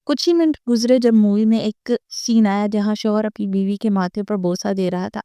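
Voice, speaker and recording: A woman reading a romance novel aloud in steady, scripted storytelling narration. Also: medium pitch, smooth, no echo, studio quality.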